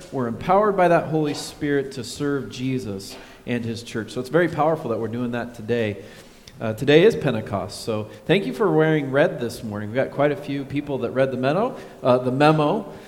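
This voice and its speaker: A man at the front of a church, running through announcements in an easygoing voice and throwing in dry little jokes. His voice sits in a middle range. It carries with a long reverb across the sanctuary over a faint hum of noise. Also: medium pitch. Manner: relaxed, joking asides. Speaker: pastor.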